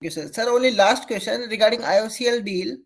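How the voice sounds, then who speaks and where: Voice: mid-range voice, fast talker. An investor putting questions on an earnings call in a deferential way.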